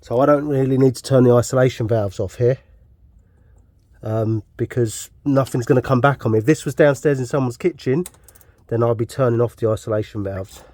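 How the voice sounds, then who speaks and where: Middle-aged heating engineer with a cold, blunt, ranty and sweary, filmed on a phone in a house loft. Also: male voice, mid-range voice, brisk, warm tone. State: has a cold. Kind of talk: casual work vlog. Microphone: phone camera.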